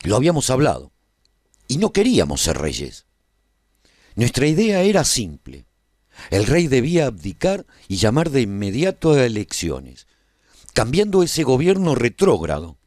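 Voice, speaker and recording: A man playing an earnest, reflective narrator of a radio serial, telling his own story of life at a royal court in a measured, solemn, dramatic delivery. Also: medium pitch, huge pitch swings, a little mellow, no echo, studio quality. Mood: troubled, earnest.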